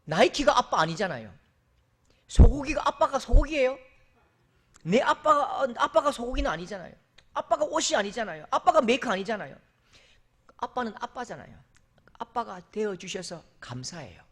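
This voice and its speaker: A man's voice: very high-pitched, sing-song, normal speed, pauses often, a bit bright, pitched above the performer's own voice, exaggerated voice. A male preacher voicing an earnest young schoolboy thanking his father.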